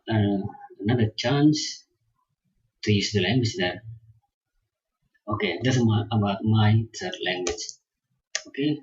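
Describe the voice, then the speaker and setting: Slow, husky-voiced man, non-native English. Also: on the low side, a little mellow, dry recording, highs cut off. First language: not English (English is his fourth language). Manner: hesitant, many pauses and fillers. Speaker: language learning vlogger. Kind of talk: casual personal account.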